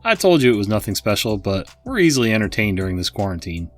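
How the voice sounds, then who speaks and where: Animated man reading stories. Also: fairly low pitch, fast talker, faint music behind. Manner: animated storytelling, chatty asides to viewers. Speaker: host and narrator. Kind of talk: reading online stories aloud with asides.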